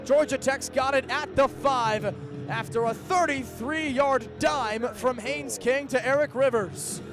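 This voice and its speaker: High-voiced young American play-by-play man. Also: a little slow, music in the background. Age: 20s. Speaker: play-by-play sports announcer. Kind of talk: live American football radio commentary.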